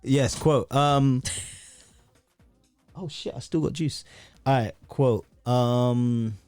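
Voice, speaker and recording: A man chatting as a podcast guest, joking and animated, swearing freely. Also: medium pitch, very slow, clean tone, no echo, faint music behind. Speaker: podcast guest, musician and sound engineer. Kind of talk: casual podcast conversation.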